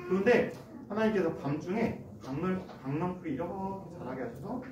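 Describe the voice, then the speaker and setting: A male pastor telling a Bible story to children in an animated way, acting out the characters as he goes. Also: high-pitched, fairly quick, crowd noise. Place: church sanctuary. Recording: echoey church hall from far off, background noise.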